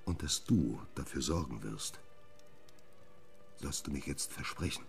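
An actor playing a proud, troubled gentleman scientist in a German radio drama, theatrical and halting, moving between murmurs and outbursts. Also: extremely low pitch, lively intonation, soft background music. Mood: grave, pleading.

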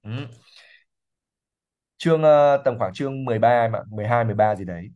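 A man explaining English words during a livestream reading lesson. He repeats words slowly and thinks aloud with fillers. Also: medium pitch, animated, dull audio. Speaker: English teacher.

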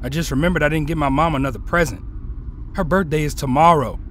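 An actor playing a young, cocky hero in an audio drama, with a casual, slangy delivery. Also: male voice, on the high side, fast, a bit bright, slight background noise, lightly acted. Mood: breezy. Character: young, breezy, cocky male hero Ranger.

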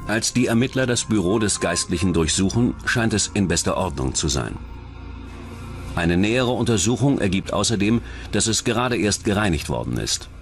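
Low-pitched man narrating true crime over music. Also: animated, normal speed. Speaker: documentary narrator.

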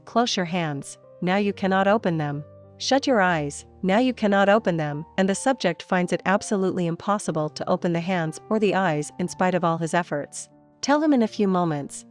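A woman reading a nonfiction audiobook in a steady, measured way, slowing down to stress quoted commands. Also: fairly low pitch. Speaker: audiobook reader. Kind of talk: scripted nonfiction narration.

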